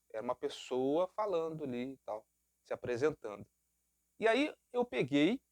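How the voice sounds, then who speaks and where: A man's voice: a little high, dry recording. A man with a Brazilian Portuguese accent, a voice-over narrator giving casual advice and acting out bits of client talk. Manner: chatty, acts out client dialogue in quick asides.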